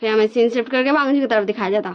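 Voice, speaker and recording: A woman's voice: fairly high pitch, racing. Chatty woman retelling a story. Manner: chatty, informal narration. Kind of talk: casual retelling of her fan fiction. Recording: dull lo-fi recording.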